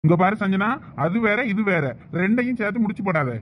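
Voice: mid-range voice, lively intonation, fairly quick, lo-fi sound, a little hiss or hum, pitched below the performer's own voice, close to an everyday voice. A performer voicing a blunt, scornful young village man in a comedy skit. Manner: scornful, bossy.

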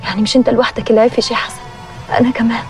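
A woman's voice: fairly high pitch, level tone, very fast, darkish tone, soft background music, lightly acted. An actress playing a frank woman pressing her lover for marriage, speaking with an Egyptian accent in a TV drama. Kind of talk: TV drama acting.

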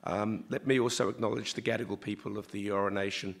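A middle-aged man, a university leader, gives a formal welcome speech at a lectern in a large auditorium, his voice slightly croaky and his delivery halting with many ums and uhs. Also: lowish voice, fairly even intonation. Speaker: university vice-chancellor. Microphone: lectern microphone.

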